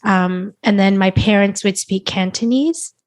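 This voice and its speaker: A woman's voice: mid-range voice, a little slow. A woman in a casual podcast chat, thinking aloud and saying "like" often. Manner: thoughtful, uses "like" a lot. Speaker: podcast co-host.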